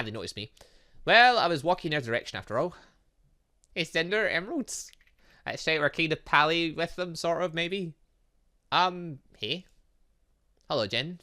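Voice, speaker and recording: Animated, bright-voiced man doing game commentary. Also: a little high. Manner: animated, breaks off into asides and exclamations. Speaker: gaming channel host. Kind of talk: gaming playthrough commentary, reading visual novel dialogue aloud with casual reactions.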